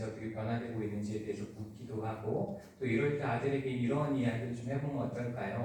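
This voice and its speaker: A man preaches a sermon in a relaxed, conversational way, weaving in personal stories and often asking the congregation for agreement. His voice sits at a middle pitch. It is recorded from a distance in a very echoey church sanctuary, with faint noise behind. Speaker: pastor.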